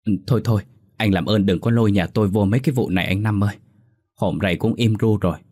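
A man's voice: lowish voice, fast talker, darkish tone, slightly rough. A man voicing a timid villager frightened of ghosts, who nervously pleads with a bully to leave the matter alone. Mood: pleading.

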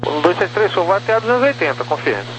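A Brazilian man works as an air traffic controller, firing off clipped instructions very quickly. His slightly high voice comes over a walkie-talkie style radio with clear hum and noise. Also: very animated, a bit bright. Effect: heard over two-way radio, like a walkie-talkie. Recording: humming, noisy two-way radio channel.

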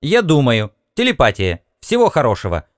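A man voicing a curt, fussy alien housewife with a sharp metallic voice, in an audiobook reading. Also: medium pitch, huge pitch swings, moderate pace, no echo, clean studio sound. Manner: snappish, dismissive.

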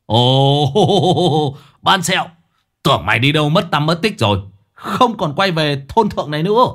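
A man voicing a jovial village drunkard, calling out in quick hearty exclamations. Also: fairly high pitch, animated, fairly bright tone, pitched above the performer's own voice. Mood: jovial surprise.

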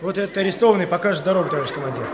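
A man's voice: high voice, racing, a crowd in the background, background noise, natural voice. An actor playing an earnest young village man who leads a hunt for bandits in a Russian radio drama, with a terse, commanding manner. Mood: brisk, businesslike.

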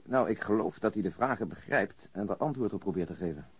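Radio play detective, talks fast, bit low and husky, matter-of-fact. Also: male voice, lively intonation. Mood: explaining. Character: male police detective, matter-of-fact, defends his findings. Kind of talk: Dutch radio drama dialogue.

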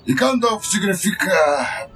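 Um homem interpretando um velho mago grandioso e teatral em um audiodrama. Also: male voice, high-pitched, animated, slow pace, a bit bright, soft background music, full character voice. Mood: grand, theatrical. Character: grandiose old male wizard, theatrical.

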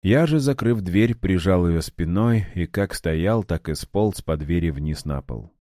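A man reads an audiobook in the first person, with measured, wry storytelling. His voice is low and dark. The recording is close and dry. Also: lively intonation, no room sound. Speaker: audiobook narrator.

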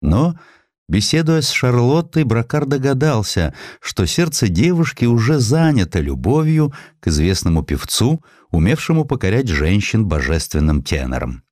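A man reading a historical story as an audiobook narrator, in an expressive, measured, literary storytelling style. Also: mid-range voice, no echo, studio quality. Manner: expressive, measured storytelling with distinct character lines.

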